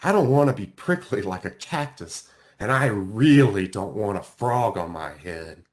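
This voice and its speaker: A sensitive, curious schoolgirl played by a man in a children's storybook. The speech is earnest and plaintive, with emphatic phrasing and lively swings in pitch. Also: unhurried.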